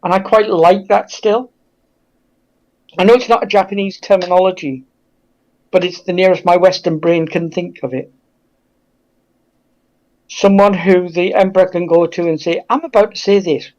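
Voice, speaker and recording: A man speaking in a halting, reflective way as a guest in a casual discussion. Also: high voice, fairly even intonation, a little mellow, dull audio.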